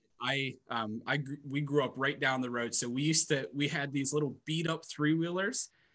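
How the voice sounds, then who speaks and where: In an American accent, a man speaks in an enthusiastic, animated tone at a moderate pace, with ordinary pitch variation and hardly any pauses. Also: fairly high pitch for a man. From Western Pennsylvania, US. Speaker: Salesforce professional. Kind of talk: casual interview, conversational. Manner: enthusiastic, animated, halting with repeats.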